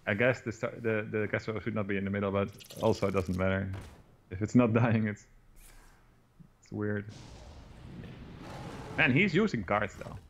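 A young Dutch man with a Dutch accent, talking through a card game as a guest co-player, thinking aloud with quick restarts. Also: fairly low pitch, slight background noise. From Netherlands. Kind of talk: casual game commentary.

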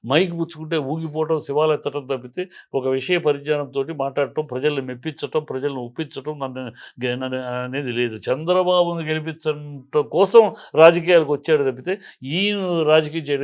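A man argues in a heated political interview, his voice sitting a little high. He hammers home rhetorical questions, repeating them with force. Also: muffled recording. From Andhra Pradesh. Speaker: political guest.

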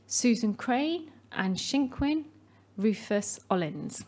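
A woman at a podium reading out election results in a measured, formal way. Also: a little high, sing-song, a little mellow. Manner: measured, reading names slowly. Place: meeting hall. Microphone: podium microphone.

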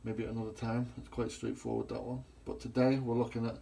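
Gravelly man explaining boiler tests. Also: mid-range voice, flat delivery, quick pace, mellow. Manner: plain step-by-step explaining, filming on his own phone. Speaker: gas engineer. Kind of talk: hands-on repair demonstration. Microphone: phone camera held in hand.

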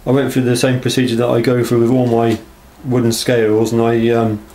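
A man with a completely flat, mellow, mid-range voice talks fairly quickly while presenting knives he made. It's an unscripted, casual show-and-tell in a small block-walled workshop, delivered hesitantly and with understatement, with clear background noise in the camera audio.

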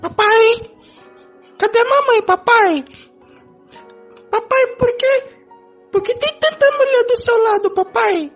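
Radio play child: whiny, bewildered, extremely high voice, faint music. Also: female voice, slow pace, long pauses, heavily acted. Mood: bewildered, whining. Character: bewildered whiny young child questioning daddy. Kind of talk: amateur radio drama acting. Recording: dull lo-fi audio with music.

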